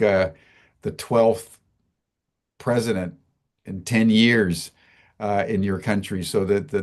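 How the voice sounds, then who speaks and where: A man hosting an interview, speaking slowly and haltingly with frequent fillers and restarts. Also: fairly low pitch, vocal fry, a little mellow. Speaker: host. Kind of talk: slow, hesitant interview talk.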